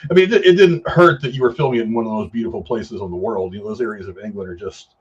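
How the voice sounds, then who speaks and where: A man with a husky, slightly rough voice hosts a casual film review chat. He talks in an emphatic, gushing way, repeating words for weight. The sound is a little dull and lo-fi. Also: lowish voice, quick pace. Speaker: film review show host.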